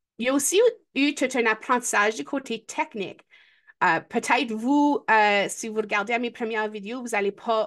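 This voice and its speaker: A woman speaking at a fairly slow pace with ordinary pitch variation against a quiet background. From Franco-Ontario, Sudbury. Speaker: early childhood content creator. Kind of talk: webinar presentation. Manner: hesitant, many fillers.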